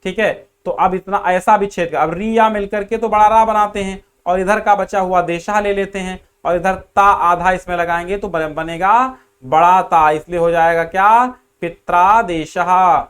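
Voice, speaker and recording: A man's voice: sits high, fairly even intonation, moderate pace, few pauses, a bit bright, clean tone. A man teaching grammar in an online exam-prep class, explaining step by step and repeating the key answers.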